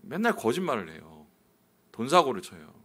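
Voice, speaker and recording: A male pastor delivering a sermon with a bright, forceful voice at a mid pitch. He tells his story frankly, jumping from hushed asides to loud outbursts. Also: huge pitch swings, moderate pace, husky. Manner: candid storytelling with sudden swings in loudness.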